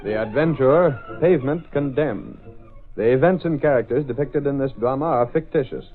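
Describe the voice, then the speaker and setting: A man reading a formal radio announcement in a measured, deep way, on a tinny old broadcast. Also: over music.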